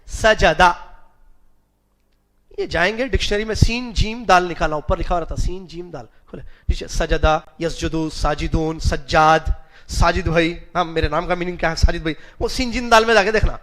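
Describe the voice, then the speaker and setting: A man teaching a class on religious history, often questioning his students, slowly spelling out Arabic root letters and mixing English words into his talk. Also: fairly high pitch, a bit bright. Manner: chuckles and jokes with students. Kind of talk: classroom lecture.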